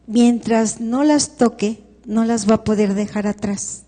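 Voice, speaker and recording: A woman with a Mexican Spanish accent counsels a grieving audience, calm and instructive, and poses rhetorical questions. Her tone is warm and dark. The live recording carries a long hall reverb. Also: a little high, unhurried. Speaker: grief counselor leading a workshop. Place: large hall at a live workshop.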